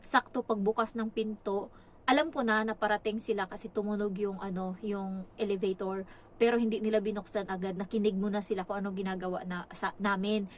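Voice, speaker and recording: A woman from the Philippines, a domestic helper, casually telling a story in a vlog and turning higher and louder when she quotes people. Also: fairly quick, a little hiss or hum. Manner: animated retelling, jumps higher and louder when quoting others.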